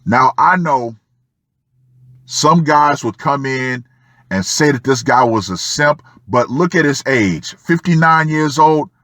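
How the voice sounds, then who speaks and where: A man giving opinion commentary as an online host, emphatic and fond of dramatic pauses. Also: medium pitch, a bit bright, no echo, studio quality. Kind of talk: opinion commentary on a Reddit post.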